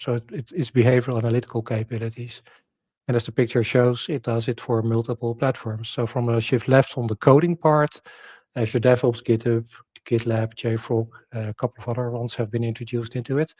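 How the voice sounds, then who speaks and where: A man's voice: medium pitch, a little mellow, no room sound, muffled recording. A man whose native language is Dutch, giving a technical presentation, explaining with rhetorical questions, fillers and restarts.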